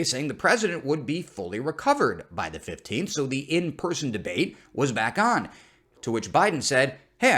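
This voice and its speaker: A man's voice: mid-range voice, a bit bright. A man hosts a scripted news satire in the style of a parody news anchor. His mid-range voice moves up and down with lots of animation as he delivers comic commentary. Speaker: satirical news show host.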